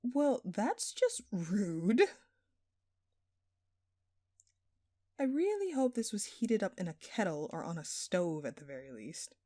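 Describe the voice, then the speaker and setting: A woman's voice: medium pitch, big pitch swings, unhurried, dark tone, no echo, studio quality. A woman playing a smug, flirtatious jewel thief who taunts a detective with teasing, sarcastic, theatrical phrasing in an audio roleplay. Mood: mock offended. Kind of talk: scripted audio roleplay addressed to the listener.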